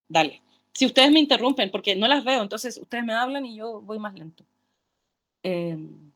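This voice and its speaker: Her intonation is lively, and her loudness swings widely. This woman leaves long, frequent pauses. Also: fairly high pitch for a woman, very clean recording, silent background. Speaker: historian. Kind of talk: lecture. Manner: fast.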